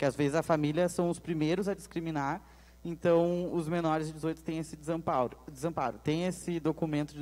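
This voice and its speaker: A man's fairly high-pitched voice, monotone and flat, at a fairly quick pace. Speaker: moderator and activist; moderator. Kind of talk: panel moderation. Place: stage. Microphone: handheld.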